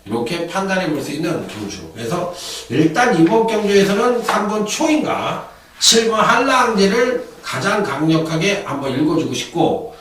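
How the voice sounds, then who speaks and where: A man giving horse racing tips in an animated, chatty commentary style with lively asides. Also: high-pitched, moderate pace, far from the mic, a little hiss or hum. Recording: echoey room, off-mic.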